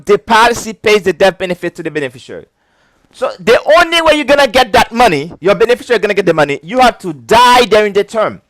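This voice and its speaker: High-voiced man with a heavy accent. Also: no room sound. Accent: non-native English. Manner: repetitive, chuckling, animated teaching. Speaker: insurance licensing instructor. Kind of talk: casual video lesson.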